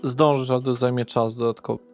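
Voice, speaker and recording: A man narrates a tabletop horror role-playing game as game master. His voice stays in a narrow, even range with a lot of fry in it, and music plays underneath. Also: medium pitch, brisk. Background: background music.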